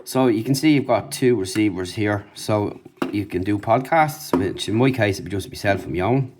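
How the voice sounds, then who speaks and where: Male product reviewer, lowish pitch, informal unscripted unboxing commentary, noisy recording. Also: moderate pace. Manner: informal, off-the-cuff demonstrating.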